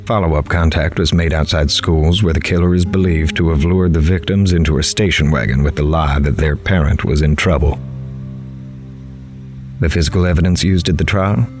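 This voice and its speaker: An actor playing a grim, dogged male crime reporter in a horror audio drama, with a measured, grave, dramatic delivery. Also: rumbling low, steady tone, a little mellow, soft background music. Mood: grim, methodical. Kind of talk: noir-like scripted horror narration.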